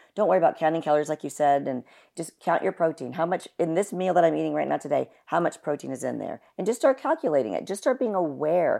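Racing along at a very fast pace with hardly any pauses, a woman talks against a quiet background. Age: 50s. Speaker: personal trainer. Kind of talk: casual interview chat.

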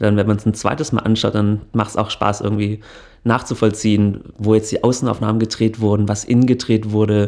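Monotone, flat delivery at a fairly quick pace on a very clean recording with a silent background. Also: man. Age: 20s. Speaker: film student and festival organizer. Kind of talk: interview. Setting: studio.

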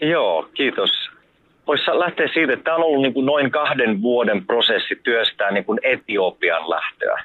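A man talks at a fairly slow pace with very even loudness. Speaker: missionary. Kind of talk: phone interview. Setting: phone call from a car.

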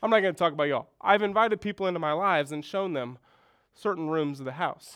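A man with an American accent and very wide pitch swings, in a dry, close recording with no echo, very clean with a silent background. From Texas. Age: 30s. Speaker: pastor. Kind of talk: sermon. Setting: church with congregation. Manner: casual, conversational.

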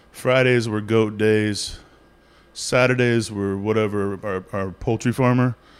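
In a plain, everyday voice, a man at medium pitch speaks with an American accent and fairly even intonation. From Tulsa, Oklahoma. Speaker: chef and restaurateur. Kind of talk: casual interview chat.

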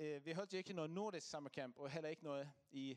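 Fairly high-pitched and fairly quick, this man keeps his intonation fairly even. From Sweden. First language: Swedish (speaking Danish). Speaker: pastor. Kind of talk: sermon. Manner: halting.

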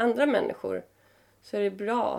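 The speed here is moderate. The speaker is a woman. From Sweden, Mariefred (Södermanland). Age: 40s. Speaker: coach. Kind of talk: casual chat. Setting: at her home.

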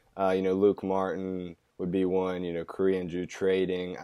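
This man talks at a fairly low pitch. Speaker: podcast host, student. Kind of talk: casual interview chat. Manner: mature-sounding.

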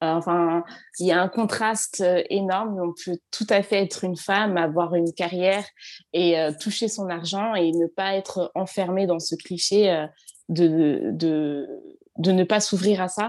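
A woman's fairly low voice at a very slow pace, with fairly even intonation against a quiet background. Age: 30s. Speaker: co-founder of a women's talk group. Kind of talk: casual interview.

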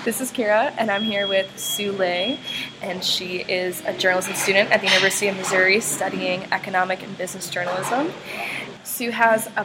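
Over noticeable background noise, a woman with an American accent speaks at a fairly quick pace in a medium pitch with monotone, flat intonation. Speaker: podcast co-host and interviewer. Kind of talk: casual chat.

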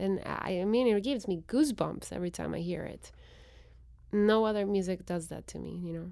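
A woman with a slight Spanish accent speaks at a fairly quick pace, her loudness swinging widely. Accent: light Spanish-accented English. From Guatemala. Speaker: singer-songwriter. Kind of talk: casual interview. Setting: studio.

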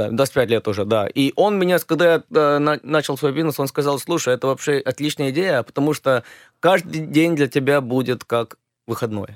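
Speaking with ordinary pitch variation, a man uses a fairly high pitch at a moderate pace. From Moscow, of Indian parents. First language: English (speaking Russian). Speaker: businessman, former stand-up comedian. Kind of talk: casual chat. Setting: studio. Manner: halting.

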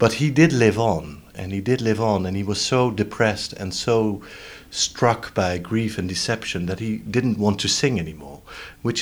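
A man speaks with a Dutch accent. His pitch is fairly low. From Netherlands. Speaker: opera singer and festival director. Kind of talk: interview.

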